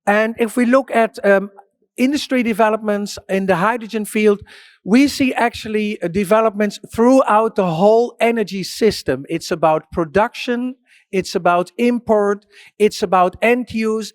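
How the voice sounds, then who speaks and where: A man with a notably high voice gives an ordered conference presentation, laying out his points one by one. The recording is dry and close. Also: no echo. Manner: structured, policy-focused delivery. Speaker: conference speaker.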